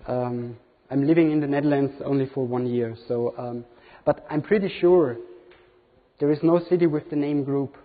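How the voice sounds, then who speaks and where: A conference presenter in his thirties who isn't a native English speaker gives a live product demo in a large hall. His mid-range voice moves at a moderate pace, hesitant and full of fillers. It's captured by a distant camera, so the audio sounds tinny and reverberant, as if from far off.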